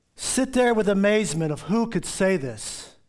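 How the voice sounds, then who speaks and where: The recording is very clean with a silent background as a man speaks in very wide pitch swings. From US, Army family (moved around). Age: 60s. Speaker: church elder and preacher. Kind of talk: sermon. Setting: church platform with congregation. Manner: animated.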